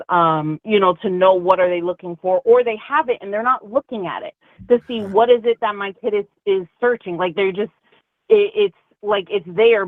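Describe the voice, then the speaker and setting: A woman's voice: medium pitch, no room sound. A woman calling in to a talk show, speaking casually and hesitantly, often restarting her sentences. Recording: narrow phone line.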